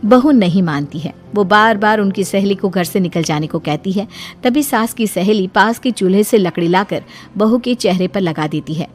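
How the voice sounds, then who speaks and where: A woman narrating a cartoon family story in a steady storytelling manner. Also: medium pitch, moderate pace, few pauses, soft background music.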